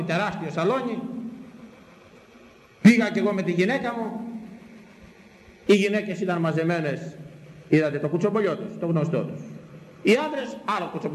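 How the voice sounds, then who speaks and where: A man, a priest, delivering an impassioned, scolding sermon with sweeping emphatic swings in his voice. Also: a little high. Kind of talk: fiery sermon. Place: church hall. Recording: echoey church hall with long reverb.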